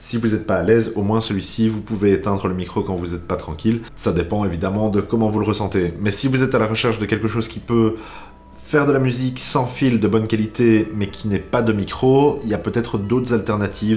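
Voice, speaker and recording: Over noticeable background noise, a man with a Belgian accent talks fairly quickly in a fairly low voice with ordinary pitch variation. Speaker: tech product reviewer. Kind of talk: product review. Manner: casual, with some hesitations.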